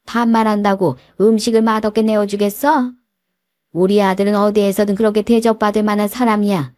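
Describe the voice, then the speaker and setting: A woman's voice: mid-range voice, fairly even intonation, fairly quick, darkish tone, no room sound, clean studio sound, close to an everyday voice. A woman voicing a domineering older mother-in-law who scolds and defends her son. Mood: indignant.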